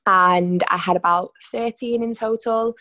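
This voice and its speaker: A woman's voice: mid-range voice, fairly even intonation, a little slow, pushed and bright, no echo. A young woman with a Manchester accent, a personal trainer telling her story on a podcast in a candid, chatty way. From Manchester, England. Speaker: guest, personal trainer and nutritionist. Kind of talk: podcast interview. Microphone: remote call.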